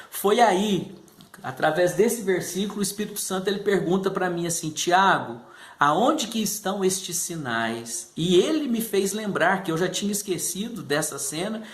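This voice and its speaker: A man, a pastor telling his personal testimony in an animated storytelling way, acting out the voices he quotes and often adding "né". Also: high-pitched, roomy sound.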